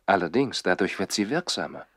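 Deep-ish romantic tree-dwelling baron, theatrical 60s radio drama, dry close sound. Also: male voice, expressive, brisk, a bit bright, no room sound, exaggerated voice. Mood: earnest. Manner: theatrical, swinging from reflective telling to anguished outbursts. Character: passionate, lovesick nobleman who lives in the trees. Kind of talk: 1960s German radio play acting, narrating and dialogue.

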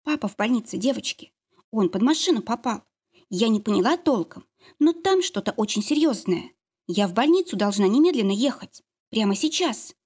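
Woman voicing a croaky, drowsy sick mum, soft-spoken, storybook role. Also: a little high, expressive, normal speed. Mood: quiet, shaken. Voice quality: hoarse, sleepy. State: ill, just woken. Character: sick, sleepy, gentle mother, adult woman.

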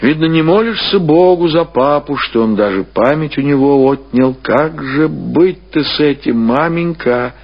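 A male reader performs a sanctimonious landowner father from a classic novel. He laments unctuously and piously, stretching out his exclamations in a husky, slow voice. The recording is dull, like old radio. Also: a little high. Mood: mawkish lament. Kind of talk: dramatised literary reading.

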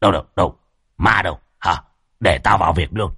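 A man voicing a cocky, gruff ghost-hunting master who talks brusquely and impatiently in a spoken story. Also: sits low, brisk, sharp tone, dry recording, studio quality, heavily acted.

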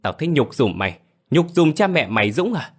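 A man's voice: mid-range voice, very animated, fairly quick, husky, voice pushed up. A man voicing a fed-up wife who scolds her husband shrilly. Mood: scornful. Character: fierce defiant woman, wife fed up.

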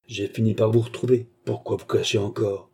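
A man's voice: fairly low pitch, level tone, brisk, gravelly, warm tone, slightly rough. A man voicing a white-haired old former hussar who questions firmly and earnestly, in a storybook reading. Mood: pleading.

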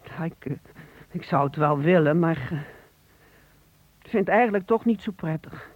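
An actress playing a lonely, proud elderly pensioner in a radio play, hesitant and polite. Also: female voice, low voice, animated, moderate pace, no echo. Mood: reluctant. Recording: tinny, narrow phone-like radio recording.

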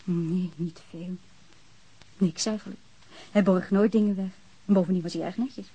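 Lonely grieving young woman, soft dark husky voice, wistful n halting, radio play. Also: lowish voice, steady tone, highs cut off. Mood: wistful recollection. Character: grieving, lonely young woman left alone by her partner. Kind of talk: radio crime drama acting.

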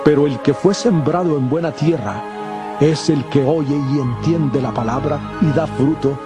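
A calm, solemn holy teacher played by a man in a dramatized scripture reading. His fairly high male voice moves with measured deliberation. Prominent music plays beneath him. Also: lightly acted. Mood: solemn teaching. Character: Jesus, calm solemn teacher telling parables. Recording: constant prominent music under the voice.

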